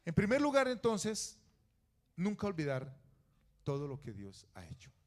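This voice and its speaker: Male pastor, high voice, fervent sermon. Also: huge pitch swings, unhurried. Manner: preaching with rising fervor and rhetorical questions.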